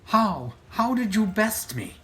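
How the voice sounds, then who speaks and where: Ruthless Nazi general, coldly polite, unhurried, animated intonation, audio drama villain. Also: male voice, sits high, full character voice. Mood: shocked. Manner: pompous, theatrical, mock-courteous.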